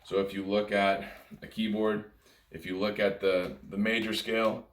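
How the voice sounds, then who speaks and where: In an informal lesson, a music teacher and video host with a very deep voice explains things step by step in plain, conversational language. His delivery is flat and moderately paced. The room sounds noticeably roomy, with echo around his words.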